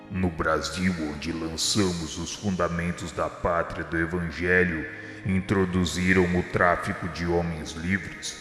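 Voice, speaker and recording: Man playing divine master, grave, reproving, forceful bright edge, cavernous reverb, radio play. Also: low-pitched, heavily acted. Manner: solemn, slow, declamatory. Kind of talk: radio drama acting. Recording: reverberant hall effect with music underneath. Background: music.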